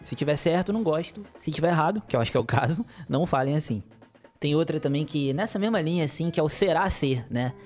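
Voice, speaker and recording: A man's voice: on the high side, lively intonation, fast, a little mellow, soft background music. A man, hosting a casual solo podcast in a rambling, chuckling, playfully griping way. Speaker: podcast host.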